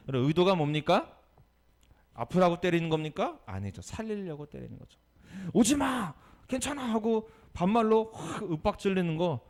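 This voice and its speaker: A male pastor giving a Sunday sermon, telling a story with lively energy and asking the congregation questions. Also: a little high. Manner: animated storytelling, acting out quotes.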